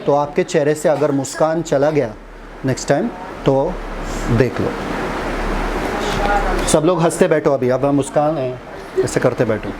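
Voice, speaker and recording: A man's voice: a little high, measured pace, long pauses, very noisy. A man preaching in a casual, conversational style, teasing the audience and asking them questions. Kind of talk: conversational Hindi sermon.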